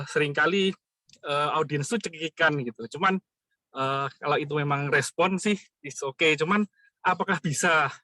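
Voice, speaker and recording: A man from Java with a Javanese accent, asking a question in an online class, hesitant and full of "eh" pauses. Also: fairly high pitch, bright, forceful tone, no room sound. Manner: hesitant, many filler "eh" pauses.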